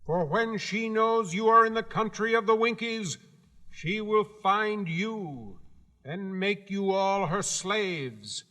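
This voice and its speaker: A man's voice: sits high, slow pace, pushed and bright, big-room sound, pitched above the performer's own voice, full character voice. A man voicing a small, formal male gatekeeper in a storybook reading.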